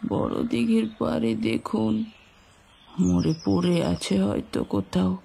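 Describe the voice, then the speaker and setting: A man voicing a bitter village wife in an audio horror story, muttering slowly in a grating rasp. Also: high-pitched, dark tone, a little hiss or hum, full character voice. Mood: bitter, sullen. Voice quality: rasping, grating. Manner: slow, bitter muttering to herself.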